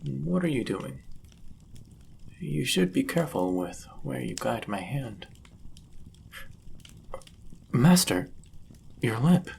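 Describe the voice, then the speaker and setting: A man playing a powerful, devoted demon bound to a sorcerer in an intimate audio roleplay, speaking formally and deliberately with a gravelly voice. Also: medium pitch, very animated, darkish tone, slight background noise, full character voice. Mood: tender, curious. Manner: formal, old-fashioned wording, deliberate.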